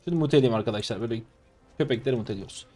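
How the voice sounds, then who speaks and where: A man in his twenties, a live streamer giving excitable, mocking gameplay commentary. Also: mid-range voice, rapid-fire. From Turkey. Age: 20s. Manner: excitable, mocking and trash-talking.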